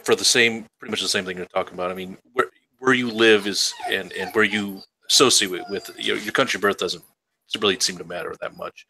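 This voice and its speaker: A man joining a casual livestream chat with quick, chatty remarks. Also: fairly low pitch, bright, forceful tone, a little hiss or hum, low-quality recording.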